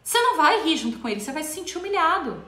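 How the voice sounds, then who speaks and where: A woman's voice: extremely high pitch, big pitch swings, racing, bright, forceful tone, roomy sound. A woman who teaches parenting, talking to viewers in an emphatic way and repeating words for stress. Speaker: parenting educator. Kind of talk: talk to viewers.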